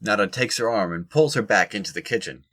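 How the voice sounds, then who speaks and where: A very low-pitched narrator for an audio drama. The delivery is scripted narration, describing the characters' actions as they happen. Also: animated, fairly quick, a bit bright.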